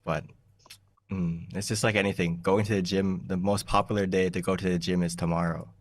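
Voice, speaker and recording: A young man with a low voice teaches meditation in an easygoing way, laughing now and then and clearing his throat. He talks into a desk mic in a small room. The sound is dry and a little distant. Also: flat delivery, fairly quick, dry recording. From United States. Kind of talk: relaxed teaching talk over a video call. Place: small plain room indoors. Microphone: large desk mic in front of him.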